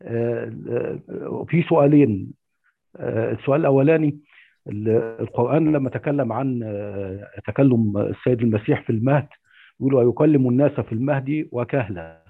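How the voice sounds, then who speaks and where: Egyptian guy, gravelly and raspy, quick, tinny phone-ish sound. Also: mid-range voice. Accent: Egyptian Arabic. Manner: hesitant, filler-heavy. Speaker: caller. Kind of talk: call-in question. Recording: tinny phone-like call line.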